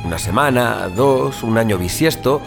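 A man's voice: mid-range voice, lively intonation, normal speed, creaky, over music. A man co-hosting a horror audio show with teasing, sarcastic comic banter.

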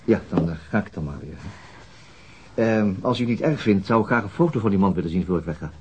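An actor playing a weary, hesitant, middle-aged police detective in a naturalistic radio drama. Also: male voice, deep voice, expressive, fast talker, highs cut off, slight background noise. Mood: subdued, apologetic. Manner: hesitant, understated. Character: weary, terse male police detective and father.

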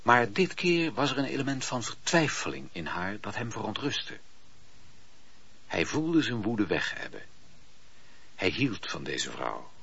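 A man's voice: lowish voice, very animated, a little slow, creaky, pauses often, a bit bright, breathy edge, exaggerated voice. A man narrating a historical radio drama as an all-knowing, literary storyteller. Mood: measured, dramatic. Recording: dull lo-fi radio play recording.

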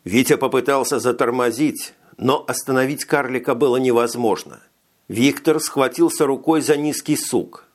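A man's voice: mid-range voice, normal speed. Man narrating an audiobook steadily. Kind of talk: scripted narration.

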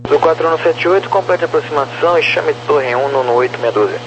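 A man's voice: fairly high pitch, quick pace. A Brazilian man giving procedural air traffic instructions over aviation radio. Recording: muffled noisy radio with hum.

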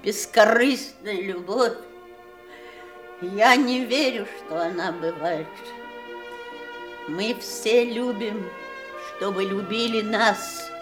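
Bitter, anguished wife, slow delivery. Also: female voice, mid-range voice. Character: bitter, wounded ageing wife of a dying famous man. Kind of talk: theatrical Russian radio drama acting.

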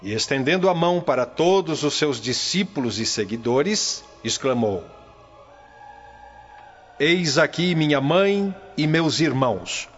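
Slow, solemn early Christian preacher. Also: male voice, fairly high pitch, expressive. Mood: solemn, reverent. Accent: Brazilian. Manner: solemn, measured, declamatory. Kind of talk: Brazilian radio drama acting, preaching. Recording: dull lo-fi audio with music behind.

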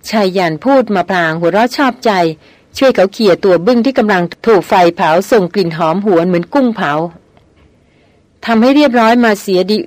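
A woman narrating a novel as an audiobook, with an even storytelling read. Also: mid-range voice, fairly quick, dry recording.

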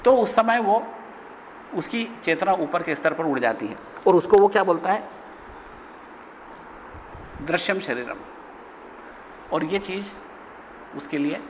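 Guy giving a spiritual talk, storytelling, acts out the quotes, higher voice, echoey hall. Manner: animated storyteller, voices quoted speech with pitch jumps. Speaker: spiritual teacher. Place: ashram hall. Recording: dull lo-fi recording with long reverb and faint noise.

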